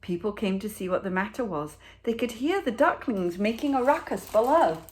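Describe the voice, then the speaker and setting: A woman teacher reads a picture book aloud to children, telling the story expressively and deliberately with dramatic pauses. Her voice is medium in pitch.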